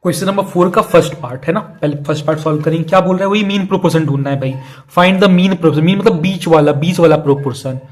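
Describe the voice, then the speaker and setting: A man's voice: fairly high pitch, quick pace, few pauses. A young man teaching a casual math lesson online, chatty and repeating each key step as he works through problems. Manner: chatty, repeats key steps, calls students "yaar" and "bhai". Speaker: math tutor.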